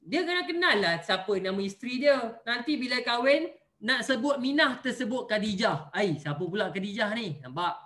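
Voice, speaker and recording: Man, religious teacher, online class, bright forceful voice, playful teasing examples. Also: very high voice, sing-song, moderate pace, few pauses.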